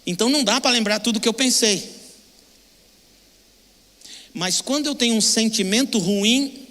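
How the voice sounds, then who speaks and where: A man's voice: high-pitched, bright, forceful tone, long reverb tail. An older man preaching a sermon with a Brazilian Portuguese accent, emotional and emphatic, repeating short phrases. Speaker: pastor.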